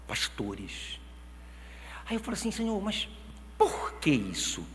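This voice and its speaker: A Brazilian man in his thirties preaching a sermon as pastor, telling stories with swings from quiet talk to shouting. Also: high voice, takes it slowly, slight background noise. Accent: Brazilian Portuguese. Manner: animated storytelling, swings from soft to shouting. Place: church hall. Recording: long church hall reverb.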